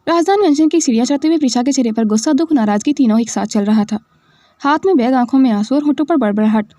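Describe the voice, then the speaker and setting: High-voiced woman narrating an audio story. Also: fast talker, dark tone, dry recording.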